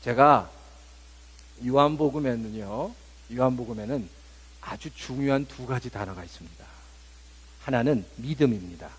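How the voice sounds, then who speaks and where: A man's voice: medium pitch, normal speed, pauses often, breathy edge. A male pastor preaching a Holy Week sermon to his congregation. He preaches emphatically, slips English words in, and coaxes the listeners to answer him. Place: church service.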